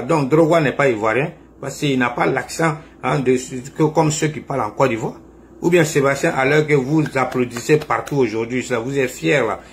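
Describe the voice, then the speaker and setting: A man's voice: medium pitch, slight background noise. Taunting man. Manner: taunting, rhetorical questions, emphatic repetition. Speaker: political commentator. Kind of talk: confrontational political monologue.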